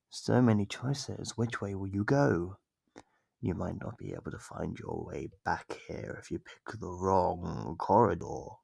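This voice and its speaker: A man playing a sadistic monster in an ASMR horror roleplay, taunting captive prey with mock politeness in a gravelly, husky, whispery-edged voice, close to the microphone. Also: sits low, a little mellow, no echo, full character voice. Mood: gleeful, taunting. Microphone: close, dry microphone.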